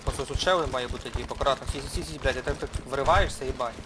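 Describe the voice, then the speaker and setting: A man's voice: mid-range voice, racing, background noise. A man on gaming voice chat, repeating frantic callouts to his team. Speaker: gamer.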